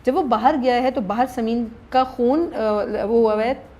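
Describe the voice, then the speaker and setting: Animated woman explaining her drama writing. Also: fairly high pitch, a little slow. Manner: animated storytelling, acting out characters' lines. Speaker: drama writer. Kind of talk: interview answers.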